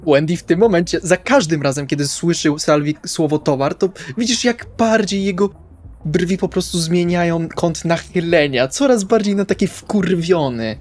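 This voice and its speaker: A man's voice: fairly high pitch, moderate pace, darkish tone. A man playing a tabletop roleplaying game, casually describing his character and reporting dice rolls.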